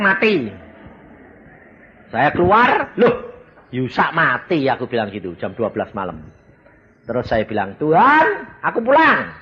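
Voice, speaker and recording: Animated male preacher. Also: mid-range voice. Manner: animated storytelling, acting out voices with sudden loud outbursts. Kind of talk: sermon. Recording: dull lo-fi audio with faint noise.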